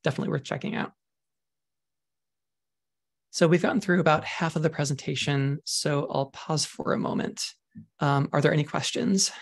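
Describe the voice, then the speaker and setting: A man presenting a programming webinar over slides, talking in a measured way with frequent ums while he is losing his voice. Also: on the high side, creaky, husky. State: losing his voice, clearing throat.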